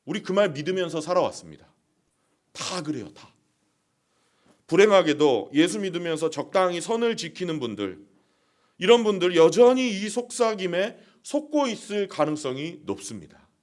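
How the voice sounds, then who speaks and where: Brief: a male preacher with a high, animated voice who questions his congregation and acts out short scenes. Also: moderate pace. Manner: keeps asking the congregation questions; plays out dialogue. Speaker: pastor. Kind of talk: sermon.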